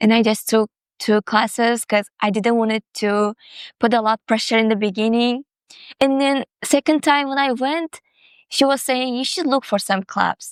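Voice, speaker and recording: A woman speaks with a Turkmen accent and a fairly high pitch. The recording is very clean and dry, close-miked with no echo against a silent background. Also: ordinary pitch variation, moderate pace. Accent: Turkmen accent in English, improved. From Turkmenistan. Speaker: former community college student. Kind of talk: interview. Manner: halting, non-native grammar.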